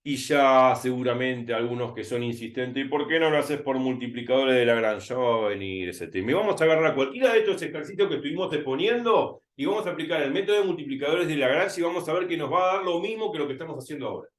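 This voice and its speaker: An Argentine tutor with a Rioplatense Spanish accent and a mid-range voice works through a recorded math lesson, thinking aloud as he writes. At an unhurried pace, he draws out and repeats key words slowly.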